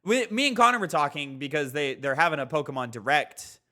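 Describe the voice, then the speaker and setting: A man's voice: fairly high pitch, big pitch swings, a little fast, sharp tone. A man bantering casually as a co-host on a podcast, talking informally with friends. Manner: sweary.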